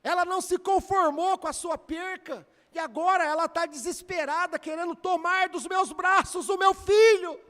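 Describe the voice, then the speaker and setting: A man voicing a desperate young mother pleading before a king, crying out louder and louder, in an echoey hall. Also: very high-pitched, steady tone, normal speed, hardly any pauses, pitched above the performer's own voice. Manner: pleading, sobbing tone, rising to loud cries.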